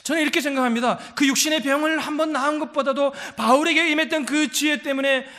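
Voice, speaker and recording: A man pastor delivers a lively sermon in a church. His voice sits high and rings bright and forceful. He acts out the voices he quotes and keeps calling out hallelujah. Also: fast. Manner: animated preaching, acting out quoted voices, frequent hallelujahs. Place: church sanctuary.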